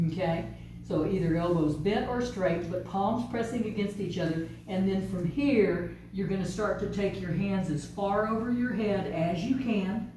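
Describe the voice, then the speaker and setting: A woman leads a yoga class with calm, patient, step-by-step cues. Her voice is mellow and soft-edged. She is heard from some way off the mic in a very echoey studio room with faint ambience behind her. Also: medium pitch, far from the mic, slight background noise. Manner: calm, unhurried step-by-step cueing. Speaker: yoga teacher. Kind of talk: guided yoga class instruction.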